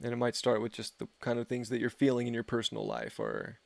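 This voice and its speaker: With a gravelly, medium-pitched voice, a man delivers a laid-back astrology forecast on a livestream at a quick pace and level tone. He rambles, uses lots of fillers, and is losing his voice. No room sound is audible.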